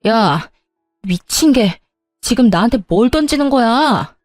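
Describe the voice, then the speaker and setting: Woman playing a spoiled sister-in-law, entitled and pushy, a little higher, dry close sound. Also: animated, slow, no echo, soft background music. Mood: angry. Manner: entitled, whiny, demanding. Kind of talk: dramatized story voicing.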